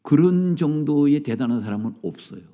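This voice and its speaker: Dramatic high-pitched preaching pastor. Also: male voice, animated, moderate pace. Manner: dramatic, swings from loud to whispered. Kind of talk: sermon at early morning prayer service.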